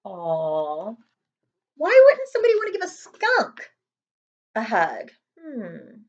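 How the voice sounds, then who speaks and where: A woman hosts a children's read-aloud in a high, very animated voice. She addresses young listeners directly and adds friendly asides. The recording is slightly dull and lo-fi. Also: slow pace. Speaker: read-aloud host, librarian.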